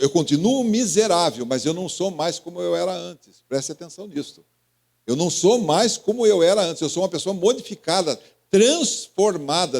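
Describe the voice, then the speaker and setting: A man's voice: high-pitched, darkish tone. A Brazilian man preaching as pastor, calling on congregation members by name with questions and teasing. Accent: Brazilian Portuguese. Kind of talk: interactive sermon.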